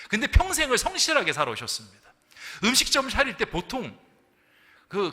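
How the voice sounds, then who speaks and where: A man preaching a sermon as pastor, telling a story with lively, acted-out quotes. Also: a little high. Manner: animated storytelling, acting out quoted voices. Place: church sanctuary. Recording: church hall reverb.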